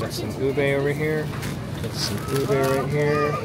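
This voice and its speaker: A man is heard in a dry sound with no echo against loud background noise. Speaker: shopping vlogger. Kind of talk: casual vlog chat. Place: shop. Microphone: phone near.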